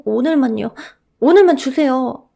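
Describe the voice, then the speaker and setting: A woman voicing a timid young boy who pleads in a high, tearful voice in a Korean audio story. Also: lively intonation, normal speed, vocal fry, warm tone, exaggerated voice. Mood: pleading.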